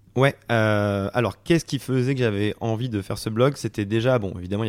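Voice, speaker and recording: In an ordinary speaking voice, a man talks at a fairly quick pace and a fairly low pitch with ordinary pitch variation, on a very clean recording with a silent background. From France, Haute-Loire (Auvergne). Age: 30s. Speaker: travel blogger. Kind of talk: casual interview.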